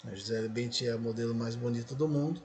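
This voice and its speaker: A man's voice: mid-range voice, quick pace, crowd noise. A male English teacher with a Brazilian Portuguese accent, explaining grammar patiently in a recorded lesson and checking often that students follow. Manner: patient, repeats "certo?" and "ó" to check understanding.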